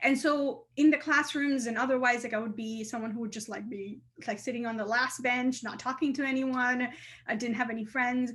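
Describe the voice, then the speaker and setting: This woman speaks with an Indian accent. Her voice is high, with fairly even intonation. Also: fairly quick pace. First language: Indian mother tongue. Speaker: astrophysicist. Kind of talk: interview. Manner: fast.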